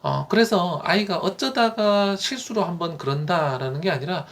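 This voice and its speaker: A man who teaches elementary school gives parents calm, explanatory advice, with frequent "uh" fillers. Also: high-pitched, moderate pace.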